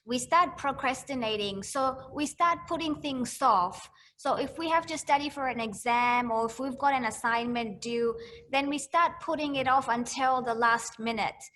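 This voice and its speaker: A woman's voice: high voice, fairly bright tone, slight background noise. A woman giving an educational talk to students, repeating phrases to drive home her points. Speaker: mental health educator.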